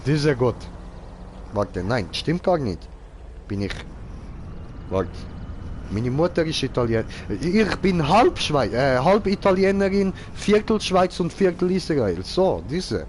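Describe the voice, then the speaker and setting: A man's voice: fairly high pitch, very animated, slow, a little mellow, slight background noise. A man giving casual live gaming commentary in clownish, slangy broken grammar, as a streamer. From Switzerland. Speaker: game streamer.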